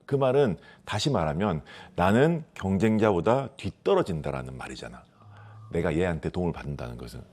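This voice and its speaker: A man's voice: low voice, very animated, fairly quick, a little mellow. A man with a regional Korean dialect explaining life lessons conversationally as an author, emphatic and full of rhetorical questions. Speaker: author giving life advice.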